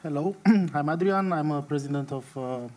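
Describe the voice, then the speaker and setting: Male panel guest, Romanian accent, soft mellow tone, fairly high pitch, hesitant phrasing. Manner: halting, broken phrasing. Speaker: panel guest, association president. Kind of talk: unscripted self-introduction at a panel.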